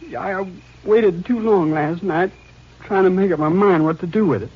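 A cornered young killer, with a very high, strained voice. He is tense and regretful, in 1950s western drama style. The sound is dull, like old radio. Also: moderate pace, husky. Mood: defeated.

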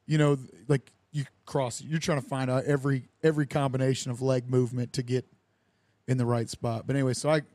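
Animated storyteller man. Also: medium pitch, fairly quick, no echo. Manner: animated storyteller who acts out quoted dialogue with lively voices. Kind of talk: casual storytelling chat.

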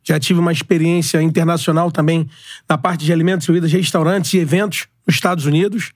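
A Brazilian man in his 40s, running for president of a club, is a guest on a podcast interview. His fairly high voice stays steady as he talks fast, earnestly repeating his points in slogans, on clean studio audio with no echo.

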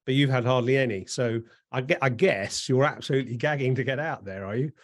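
An English-accented man hosts a conversational interview, putting chatty, rambling questions to his guest. His voice is medium in pitch and moves a little fast.

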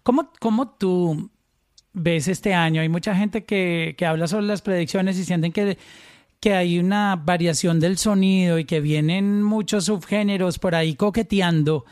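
A man's voice: sits high, steady tone, unhurried, a little mellow, smooth, no room sound, clean studio sound. A man from Colombia with a paisa accent, interviewing in a casual, chatty way and often repeating words as he starts a phrase.

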